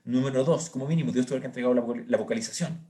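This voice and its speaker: A man with a Chilean accent, a rabbi teaching a Torah class, explaining with lively rhetorical questions to his listeners. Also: medium pitch, very fast.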